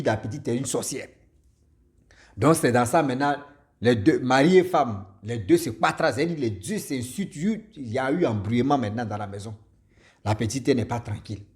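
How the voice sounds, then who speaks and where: A man telling a story in a casual, animated way, often laughing and repeating words. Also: a little high. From Martinique and Ivory Coast parents.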